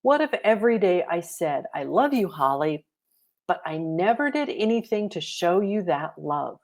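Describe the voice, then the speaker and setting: A woman voicing a patient, loving mother in a children's storybook, gently teaching in a measured way. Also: fairly low pitch, sing-song. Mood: gentle, patient. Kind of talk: children's storybook read-aloud.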